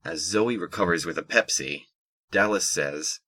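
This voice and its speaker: गहरी, चमकदार आवाज़ वाला पुरुष कथावाचक, सूखी रिकॉर्डिंग. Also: male voice, low voice, unhurried, sharp tone, no echo. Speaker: narrator. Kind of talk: scripted audio drama narration.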